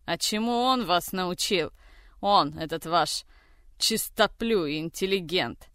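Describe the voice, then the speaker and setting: A reader voicing a furious man who shouts harsh accusations in a tirade for an audiobook. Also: mid-range voice, slow pace, smooth, no room sound, clean studio sound. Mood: enraged. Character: furious man, a general's grandson, lashing out.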